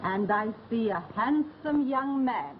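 An actress playing an old gypsy fortune teller who speaks in portentous, foreboding melodrama style. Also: female voice, a little high, lively intonation, slow pace. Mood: sly, inviting. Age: older. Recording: muffled, hissy old film soundtrack.

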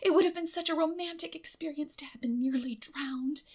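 Storybook orphan girl, high-pitched, dramatic, gushing, flowery, imaginative. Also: brisk, darkish tone.

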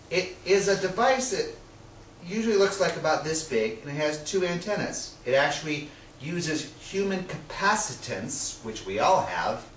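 A man's voice: a little high, a bit bright. A middle-aged man presenting to camera in a playful, showman-like way, demonstrating as he explains. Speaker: science presenter. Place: small indoor room with projector screen. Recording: roomy, distant camera mic, noisy.

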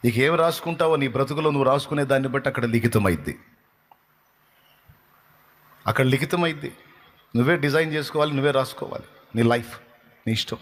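A male preacher delivering a fervent, emotional sermon. He repeats phrases for effect, dropping to a hush and then climbing into ringing exclamations, at a mid-range pitch. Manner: fervent, repetitive, swings between hushed and rising exclamations.

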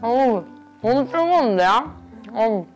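A woman's voice: fairly high pitch, animated, a little slow, soft background music. A young woman hosting a casual food vlog, talking to viewers while chewing with her mouth full. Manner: chatty, addressing viewers directly. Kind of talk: casual cooking and tasting vlog.

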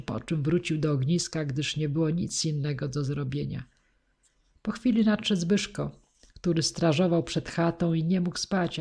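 A woman's voice: deep voice, husky. Woman narrating a classic novel. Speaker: audiobook narrator. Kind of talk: scripted narration.

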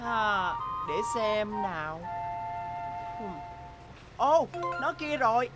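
A woman's voice: mid-range voice, big pitch swings, very slow, music in the background, rough recording. A woman voicing a cheerful, mischievous young boy bus in a children's cartoon. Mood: helpful. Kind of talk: animated children's cartoon dubbing.

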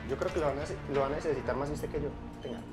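A man's voice: fairly high pitch, fast, over loud music. A young man playing the head doctor of a hospital, firm and lecturing toward applicants. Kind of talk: staged short drama. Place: clinic office.

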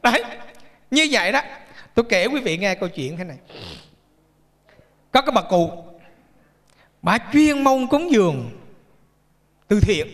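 A man's voice: high voice, big pitch swings, a little slow, long pauses, fairly bright tone. A Buddhist monk gives a chatty, storytelling sermon, joking and asking his audience questions. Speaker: Buddhist monk giving a dharma talk. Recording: reverberant temple hall.

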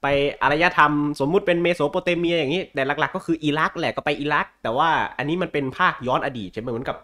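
A man's voice: a little high, fast, sharp tone. A man chatting casually as a podcast host, blunt, slangy and jokey. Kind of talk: casual chat about comic books.

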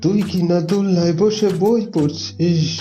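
A man's voice: high-pitched, unhurried, mellow, soft background music. A man voicing a middle-aged father fox in a cartoon, anxious and polite, with a coaxing, fatherly manner. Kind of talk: cartoon fairy-tale character dialogue.

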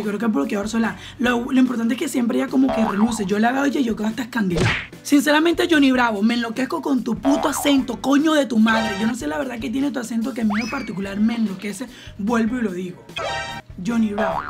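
A young Colombian woman with a Colombian accent, giving outspoken, gossipy reaction commentary and swearing freely. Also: on the high side. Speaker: reaction vlogger. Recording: clear background music. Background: music playing.

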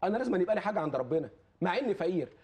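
A man's voice: sits high, very animated, racing, darkish tone. A man with an Egyptian Arabic accent, preaching with fervor as a charity guest on a TV talk show, quoting scripture and swearing oaths. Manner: impassioned, quotes scripture, repeats oaths.

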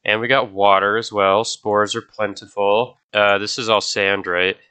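A man's voice: on the low side, little pitch movement, unhurried, pushed and bright, clean tone. A young man with a stuffy, nasal voice from a cold, chatting casually to viewers while playing a game. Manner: chatty, easily distracted, talks to viewers. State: sick, stuffy nose. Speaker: gaming video host. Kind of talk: casual gameplay commentary.

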